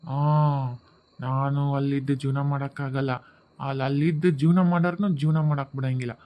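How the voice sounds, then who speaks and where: A man's voice: medium pitch, level tone, normal speed, muffled recording, lightly acted. A man voicing the ghost of a murdered young husband in a cartoon, speaking North Karnataka Kannada and swinging from sobbing complaints to vengeful threats. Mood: brooding. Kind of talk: cartoon voice acting.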